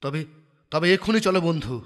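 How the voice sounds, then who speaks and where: A man's voice: fairly high pitch, expressive, quick pace, big-room sound, soft background music, natural voice. A man voicing blunt villagers and a bold warrior in a cartoon. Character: villagers and a brave warrior friend.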